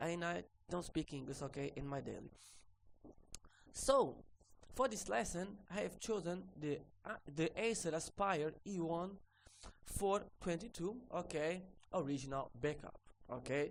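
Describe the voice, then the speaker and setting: Lively in intonation, a high-pitched man speaks at a fairly slow pace with long, frequent pauses. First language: Portuguese. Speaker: online course instructor. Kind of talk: tutorial. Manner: halting non-native English with frequent okay.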